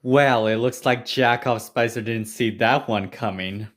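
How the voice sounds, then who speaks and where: A woman's voice: a bass voice, steady tone, measured pace, soft background music. A woman voicing a bratty, mocking, gleefully destructive villain in a fan-made cartoon parody dub.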